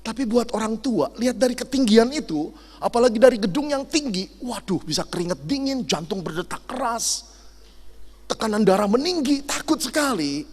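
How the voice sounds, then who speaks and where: Middle-aged male pastor, comic storytelling sermon, high lively delivery in a reverberant hall. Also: normal speed, husky. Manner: animated, jokey, acts out dialogue and sound effects. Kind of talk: lively sermon with acted-out stories. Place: large hall at a youth camp.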